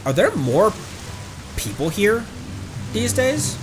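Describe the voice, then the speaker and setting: A man's voice: high-pitched, sing-song, takes it slowly, background noise. A man streaming a video game with casual, chatty commentary.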